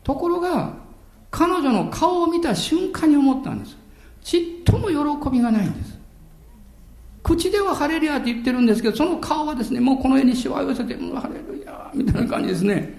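Animated older man preaching, lively pitch. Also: vocal fry, echoey room. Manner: animated storytelling, dramatic pauses, chuckles. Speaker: pastor. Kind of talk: sermon.

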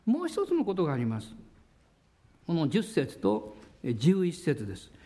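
A man pastor preaching a sermon in a church, with drawn-out pauses and a voice that sometimes drops to a near whisper. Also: on the high side, huge pitch swings, warm tone.

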